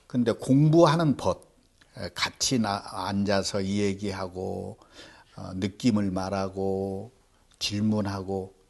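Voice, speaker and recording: A man talks at a very slow pace. His pitch is fairly low, with ordinary variation. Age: old. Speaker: book reader, author. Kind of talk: book reading and explanation to young listeners. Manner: casual, conversational.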